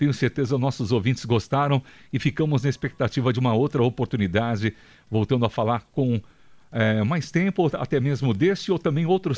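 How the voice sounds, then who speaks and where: A man speaks in a plain, everyday voice at medium pitch, with lively intonation, a moderate pace and very even loudness, the sound dry and close with no echo on a very clean recording with a silent background. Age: 50s. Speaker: radio host. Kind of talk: radio interview.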